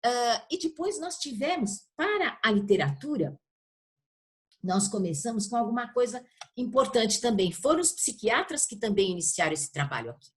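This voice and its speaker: Older Brazilian woman, halting academic talk. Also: a little high, big pitch swings. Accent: Brazilian Portuguese. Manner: halting, searching for words, with frequent check-in tags. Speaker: university literature professor being interviewed. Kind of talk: informal academic explanation in an interview.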